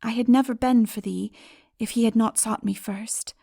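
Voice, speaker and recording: A woman voicing a tender, devoted lady in a fairy-tale audiobook, with breathy, impassioned courtly speech. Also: fairly high pitch, steady tone, moderate pace, warm tone, no echo, studio quality. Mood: ardent love.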